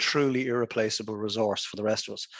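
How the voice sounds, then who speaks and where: This is a man speaking. He has a Dublin accent. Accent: Irish (Dublin). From Ireland, Dublin. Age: 50s. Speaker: entrepreneur and motivational coach. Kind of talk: podcast interview. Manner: halting, with repetitions.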